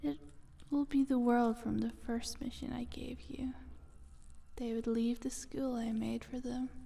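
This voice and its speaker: A sly, condescending eldritch monster, acted by a woman speaks in a very dark, velvety female voice with a crackle of fry. She drifts slowly between soft speech and breathy whisper. The tone is teasing and taunting, in an intimate ASMR roleplay style. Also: on the high side, level tone. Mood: sly, playful.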